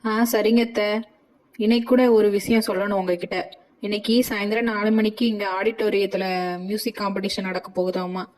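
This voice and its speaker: A woman's voice: mid-range voice, steady tone, a little fast, a little mellow, lightly acted, low-quality recording. Woman voicing a meek cartoon mother. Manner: polite, apologetic, pleading. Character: young mother, meek daughter-in-law.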